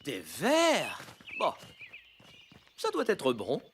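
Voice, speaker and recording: A man voicing a kind, patient cartoon dad, gently explaining things and encouraging his young son. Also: a little high, huge pitch swings, drawn-out words, a little hiss or hum, heavily acted.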